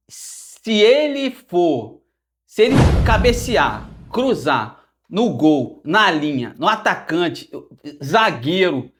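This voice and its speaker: A man with a Rio de Janeiro area Brazilian accent hosting a podcast interview, joking and playful as he chats with his guest. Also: sits high. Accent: Brazilian Portuguese, Rio de Janeiro area. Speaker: podcast host. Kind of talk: casual interview chat.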